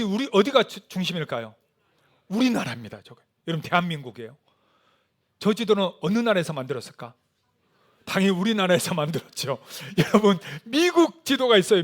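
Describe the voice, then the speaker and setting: A male pastor preaching a sermon, animated, often putting questions to the congregation and sometimes dropping to a soft whisper for emphasis. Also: sits high.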